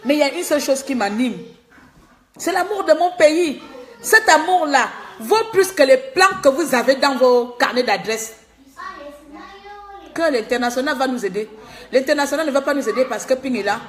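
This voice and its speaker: A woman from Gabon delivering a fiery political monologue, scolding and repeating herself, laughing at times and dropping to a low confiding tone. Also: animated, normal speed. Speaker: political activist vlogger.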